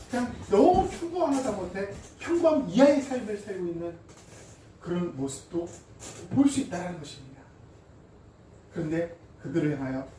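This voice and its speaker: A man preaching a sermon as pastor, with emphatic loud stresses and soft drops. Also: high-pitched. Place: church sanctuary. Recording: echoey church hall, voice from a distance, faint noise.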